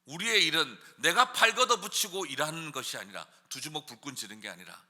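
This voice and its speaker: Pastor, male, preaching in a reverberant church hall; high and sharp, lively swings, builds to shouts. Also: brisk. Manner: swings from quiet musing to loud impassioned shouting; asks rhetorical questions. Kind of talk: sermon. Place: church sanctuary.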